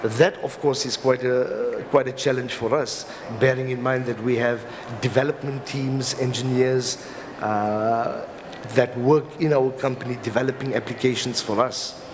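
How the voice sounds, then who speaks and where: A man with a South African accent giving an explanatory conference talk as a legal professional, in a halting, hesitant delivery with repeated words. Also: medium pitch, steady tone. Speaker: company lawyer speaking as a summit panelist. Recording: reverberant hall with clear background noise.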